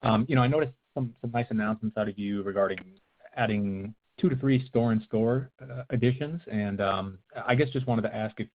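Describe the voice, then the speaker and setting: A man's voice: fairly low pitch, brisk. A man asking questions as a financial analyst on a phone call, with hesitant, tentative phrasing. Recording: narrow, tinny phone line.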